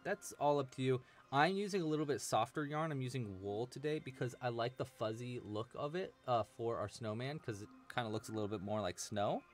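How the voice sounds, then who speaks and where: A man's voice: mid-range voice, fairly quick, hardly any pauses, faint music behind. A young man teaching crochet on a home live stream, chatty and playful, reading chat messages aloud and laughing as he works. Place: small room at home, indoors.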